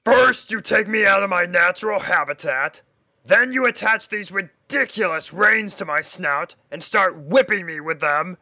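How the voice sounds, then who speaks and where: Casting: male reader as surly talking shark in a comic story, very sharp and gravelly, slow, blunt delivery. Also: high-pitched, expressive, no echo, pitched above the performer's own voice, full character voice. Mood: indignant. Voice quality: gravelly, forceful. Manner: blunt, aggrieved. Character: grumpy, indignant male river shark, menacing.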